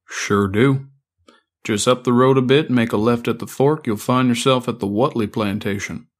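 A man's voice: medium pitch, normal speed, close to an everyday voice. A man voicing a friendly, easygoing rural man on horseback. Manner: easygoing, folksy.

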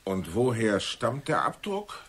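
A gruff, sarcastic doubter in a radio drama. The voice is low and husky, with animated swings of pitch. He sounds impatient and dismissive. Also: takes it slowly, full character voice. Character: gruff, sarcastic, impatient man scoffing at theories. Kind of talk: German radio play acting.

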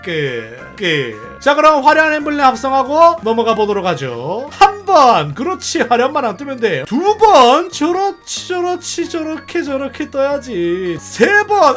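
A woman with a high, bright voice talks through her own gameplay, excitable and chatty. Her pitch jumps all over as she cheers on each result, and faint music plays behind her. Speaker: game streamer. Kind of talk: casual gameplay commentary.

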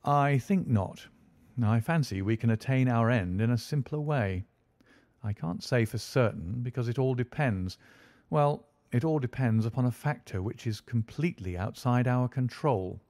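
A man reading aloud and voicing a calm, clever detective who speaks in a measured, confident way. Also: medium pitch, dry recording, natural voice. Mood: deliberate. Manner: measured, deliberate, composed.

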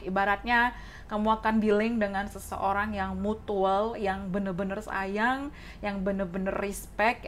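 A young woman with a hoarse voice giving a casual tarot reading, chatty and often saying "oke". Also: mid-range voice, a bit bright, slight background noise. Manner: chatty, mixes English phrases, says "oke" often. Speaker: tarot reader. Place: indoors at a wooden table.

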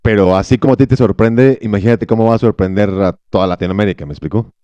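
Deadpan Mexican producer played by a man, slightly dull. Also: lowish voice, quick pace, smooth, no room sound, natural voice. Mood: calm, businesslike. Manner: deadpan, matter-of-fact. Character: calm, businesslike male Mexican reality-show producer. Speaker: prank caller. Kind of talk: improvised phone prank. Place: small indoor podcast studio. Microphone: close studio microphone.

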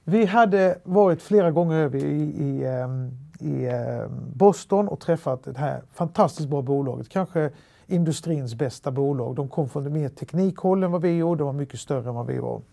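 A man's voice: a little high, creaky. A middle-aged man with a Halland dialect, telling a story in an interview with restarts and fillers. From Sweden. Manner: lively anecdotal telling with many restarts and fillers.

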